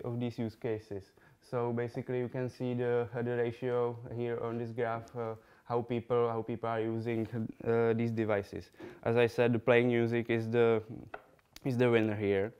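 A young man from the Czech Republic speaks English with a Czech accent, presenting slides in a lecture room. His voice is very smooth and clear but flat in pitch. He talks haltingly, full of fillers and restarts. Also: dull audio. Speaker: researcher giving a talk. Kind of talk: conference talk with slides.

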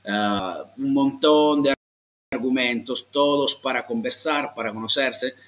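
Italian male language teacher, mid pitch, online beginner lesson, slow modeled phrases. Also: fairly bright tone, a little hiss or hum. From Italy. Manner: slow, exaggerated model pronunciations for repeating.

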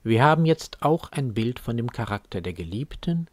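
A man reciting poetry and explaining it, with deliberate, dramatic phrasing that can sink into a hush. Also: medium pitch, big pitch swings, dry recording.

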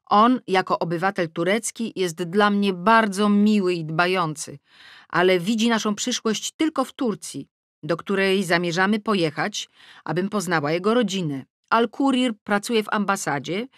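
A woman's voice: mid-range voice, normal speed, dry recording, natural voice. Woman doing a naive young girl in love reading her letter, earnest, dry audiobook sound. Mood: earnest, lovestruck. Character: naive lovestruck young woman writing to a magazine.

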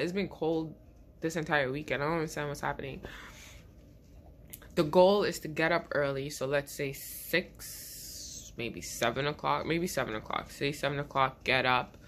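Lady chatting to her phone in her bedroom, congested and rambly, kinda low voice. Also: a bit bright. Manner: chatty, rambling, laughs often. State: stuffy head cold. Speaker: vlogger. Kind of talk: casual vlog chat to camera. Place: small bedroom indoors.

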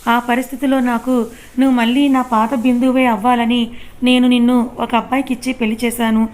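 Older mother-in-law, gentle, coaxing, storybook reading, woman narrator, narrow pitch movement. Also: level tone, brisk, close to an everyday voice. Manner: soothing, coaxing.

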